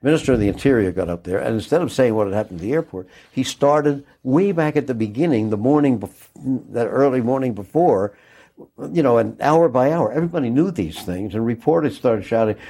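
An older man recalling a day he covered on air, speaking haltingly with many restarts and a moved, choked-up tone. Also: medium pitch, lively intonation, mellow. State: moved, choking up. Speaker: interviewee recalling a broadcast. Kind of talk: reflective interview recollection.

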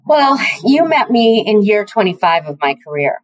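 A middle-aged woman with a deeper voice, answering interview questions in a confident, measured, emphatic way. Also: big pitch swings, no echo, low-quality recording. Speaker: guest, learning and development executive.

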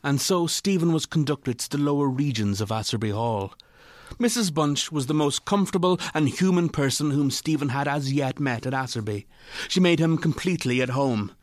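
A man narrating a classic literary ghost story from a script in a measured, deliberate way. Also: a little high, expressive, dry recording, clean studio sound.

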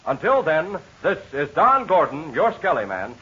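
A man with an American accent announcing in an old 1940s radio style, pitching enthusiastically to young listeners like a salesman. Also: sing-song, unhurried, bright, forceful tone. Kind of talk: old-time 1940s radio announcer, serial outro and ad read. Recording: dull, lo-fi vintage radio transcription.

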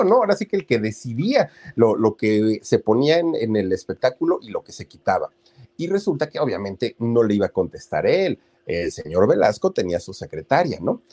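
A man's voice: medium pitch, darkish tone, husky. A man with a Mexican accent casually telling a story to viewers, chatty and full of asides to his listeners. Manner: chatty, addresses listeners with asides and tag questions. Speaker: storyteller host.

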